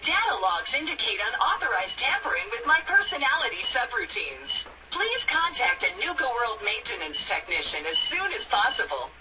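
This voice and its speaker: A woman's voice: fairly high pitch, sing-song, moderate pace, recorded from a distance, poor audio. A woman voicing a chirpy female robot theme-park guide with a metallic robot voice in a video game, her bubbly sales patter breaking into glitches. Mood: cheerful. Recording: video game audio with loud music, from afar.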